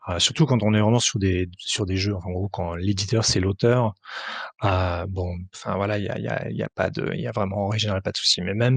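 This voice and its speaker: A man, a French-speaking tabletop game author, answering interview questions in a halting way with many fillers and restarts. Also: fairly low pitch, vocal fry, breathy edge, no room sound.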